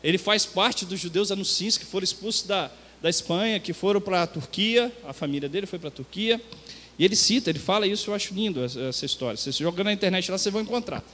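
A man with a very high voice delivers a conversational sermon, addressing the congregation directly and pressing his points with emphasis. His voice carries a long reverb from the church hall around him. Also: quick pace, a bit bright. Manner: conversational preaching, rising to emphatic. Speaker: pastor.

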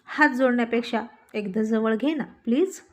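A woman's voice: fairly high pitch, normal speed, lightly acted. A woman voicing a playful young wife who coaxes and teases her husband. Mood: teasing. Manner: coaxing, teasing.

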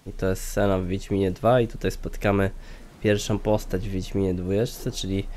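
Low-voiced congested man doing game commentary. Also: steady tone, moderate pace, darkish tone, slight background noise. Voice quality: nasal. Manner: rambling, unsure, self-questioning. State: sick, congested. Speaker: gaming video host. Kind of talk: casual let's play commentary. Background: game music.

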